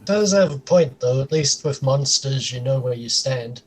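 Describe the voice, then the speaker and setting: A man playing a tabletop role-playing game, chatting in a relaxed, reflective way. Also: medium pitch, moderate pace, husky, faint music behind, low-quality recording. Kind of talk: casual role-play banter.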